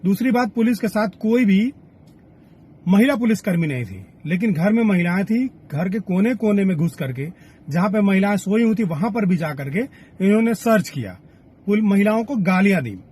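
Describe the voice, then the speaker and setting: High-pitched, husky male commentator. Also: animated, normal speed, darkish tone. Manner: argumentative, poses rhetorical questions. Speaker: reporter and commentator. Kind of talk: spoken news commentary.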